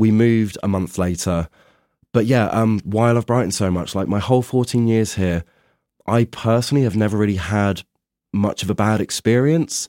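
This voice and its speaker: A dark, mellow tone with a southern English accent, moderate pace and ordinary pitch variation, on a very clean recording with a silent background and a dry, close sound with no echo. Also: man, fairly low pitch for a man. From southern England, Buckinghamshire. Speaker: voiceover artist. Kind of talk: casual interview chat.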